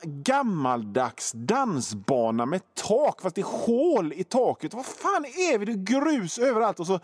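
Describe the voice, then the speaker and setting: A man's voice: sits high, breathy edge, dry recording, studio quality. A middle-aged man hosting a radio show, telling absurd made-up stories with swearing and big swings in his delivery. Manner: absurd tall tales told with lively swings and swearing. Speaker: radio host. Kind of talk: comic storytelling on radio.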